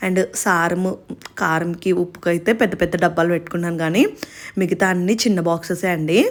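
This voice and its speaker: A woman's voice: on the low side, little pitch movement, fast. A young adult Indian woman, narrating a casual home vlog in a chatty, explanatory way and addressing viewers directly. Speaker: home vlogger.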